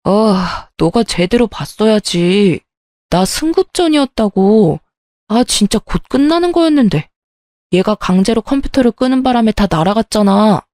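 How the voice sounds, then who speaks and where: A woman's voice: mid-range voice, very animated, normal speed, darkish tone, no echo, studio quality, natural voice. A woman voicing an irritable, selfish young husband who whines and defends himself. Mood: whiny. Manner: whiny, defensive, sighing.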